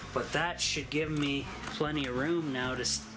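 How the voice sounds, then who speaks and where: Music plays in the background. A man speaks over it with fairly even intonation. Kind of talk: casual DIY vlog commentary. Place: bathroom.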